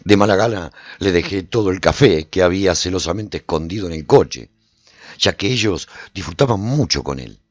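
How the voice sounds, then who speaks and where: A man narrating a radio drama in an expressive storytelling manner. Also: low-pitched, slightly rough, dry recording. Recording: dull lo-fi recording with faint music.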